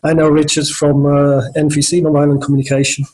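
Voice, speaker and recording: A man's voice: a little high, completely flat delivery, fairly quick, a little mellow, rough recording. A man from the Netherlands with a Dutch accent, introducing himself cheerfully.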